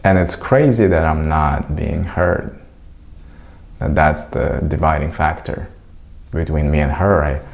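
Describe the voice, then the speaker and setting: Man, from Crimea, deep voice, slow, searching for words. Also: vocal fry. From Crimea, Ukraine. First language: Russian. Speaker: vlogger. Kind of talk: reflective personal monologue.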